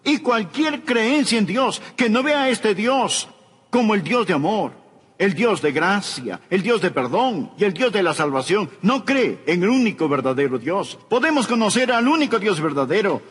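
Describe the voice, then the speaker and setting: Emphatic preaching man, high lively voice. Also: normal speed, husky, big-room sound. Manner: emphatic preaching with wide swings from loud to hushed. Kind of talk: sermon.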